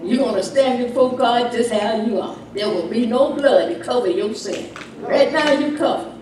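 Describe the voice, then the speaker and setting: Warning of coming judgment, a woman preaches a fiery end-times sermon in a fairly high voice at normal speed, leaning on repetition and rhetorical questions. A crowd can be heard, and the very echoey room and distant microphone make her sound far away.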